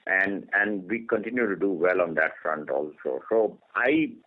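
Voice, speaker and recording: Casting: male finance chief on an investor call, deep voice, methodical delivery, phone-line sound. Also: expressive, moderate pace. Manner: methodical, point-by-point. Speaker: finance executive. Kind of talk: earnings call answers. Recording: narrow telephone conference line.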